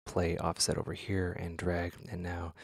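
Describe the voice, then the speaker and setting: Deep, gravelly-voiced man giving a tutorial. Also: monotone, dry recording, studio quality. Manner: halting, thinking aloud as he demonstrates. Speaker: tutorial host. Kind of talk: casual software tutorial talk.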